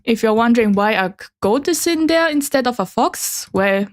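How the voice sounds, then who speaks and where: A woman's voice: fairly high pitch, lively intonation, moderate pace. A woman whose first language is Chinese, chatting casually and a little awkwardly as a new VTuber streamer presenting slides. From Germany. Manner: hesitant, slightly awkward, apologetic.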